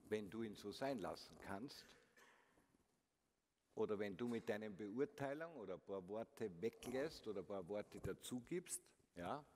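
A man with a lowish, darkish voice gives a motivational keynote at a conference. Standing on a large concert hall stage, he speaks directly to the audience and leans on rhetorical questions, while long hall reverb and faint noise fill the recording.

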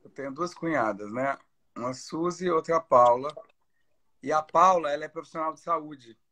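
Chatty, slightly high-voiced man guest. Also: normal speed, sharp tone. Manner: chatty, self-mocking, hesitant restarts when emotional. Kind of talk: casual live-stream chat. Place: home in isolation. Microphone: phone or computer on a video call.

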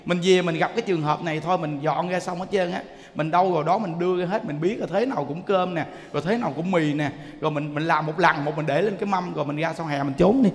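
Man, monk's sermon, folksy and animated, long hall reverb. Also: high-pitched. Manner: folksy, animated storytelling with laughter. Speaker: monk.

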